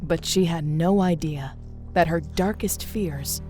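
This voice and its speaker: A woman narrating a scripted drama in a measured, suspenseful way. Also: sits low, mellow. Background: music.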